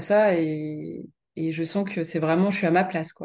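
Fairly low in pitch, a woman speaks with fairly even intonation at a fairly slow pace. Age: 30s. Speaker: health coach. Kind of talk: testimony. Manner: halting.

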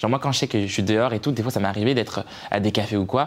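A very fast-talking man with a medium pitch and ordinary pitch variation. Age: 20s. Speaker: family vlogger. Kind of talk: casual interview.

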